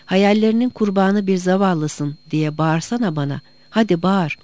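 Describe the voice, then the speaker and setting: A proud young tribal chief with a bitter, rousing delivery, read aloud by a narrator. He sits in a mid-pitched, ordinary register. It plays as an audiobook reading. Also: normal speed, a little mellow, no room sound, lightly acted. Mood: angry.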